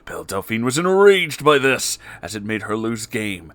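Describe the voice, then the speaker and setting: A man's voice: medium pitch, big pitch swings, moderate pace, fairly bright tone, no room sound. A man narrating a comic story in a theatrical, emphatic way, with casual asides as the host.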